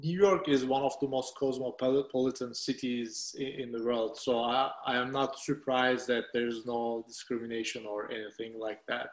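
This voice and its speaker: A man's voice: medium pitch, flat delivery, moderate pace, hardly any pauses. A man in his thirties with a Turkish accent, a guest explaining things earnestly in a casual video-call interview. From Turkey. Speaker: guest researcher. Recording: echoey room.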